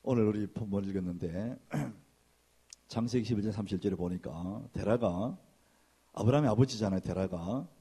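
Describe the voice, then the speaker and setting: A man preaching a sermon as senior pastor, in a lively conversational way, acting out church gossip in hushed voices. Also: fairly low pitch, normal speed, husky.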